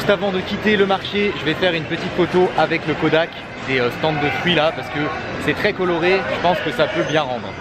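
Loud background noise runs under a man talking at a fairly quick pace. The sound is dry with no echo, and his pitch varies in an ordinary way. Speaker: travel vlogger. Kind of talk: casual vlog chat. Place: market. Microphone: phone near.

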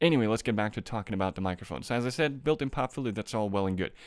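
Pitch varies in an ordinary way as a man speaks. The background is quiet. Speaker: microphone reviewer. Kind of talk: casual review talk. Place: home room. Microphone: studio mic.

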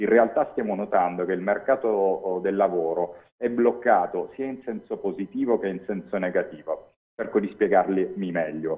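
The background is quiet. The pace is moderate. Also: man. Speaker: pharmaceutical company executive. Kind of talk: TV panel discussion. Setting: video call. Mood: calm, measured. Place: office. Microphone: earbuds.

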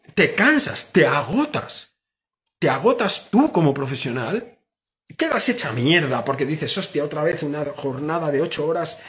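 A man at a fairly high pitch and a fairly slow pace. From Spain. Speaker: therapist and course instructor; course instructor. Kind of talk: live-stream lecture. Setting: Instagram live stream. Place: home room. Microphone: phone near.

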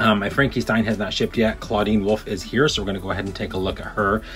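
Monotone, flat intonation over faint background music. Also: man. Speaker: doll collector reviewer. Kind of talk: casual unboxing review. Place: home room. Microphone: phone near.

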